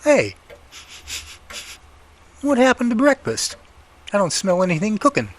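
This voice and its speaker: A man's voice: high voice, wildly swooping pitch, unhurried, no room sound, exaggerated voice. An actor playing an eager, curious male companion in casual, inquisitive audio drama dialogue. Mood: curious, upbeat.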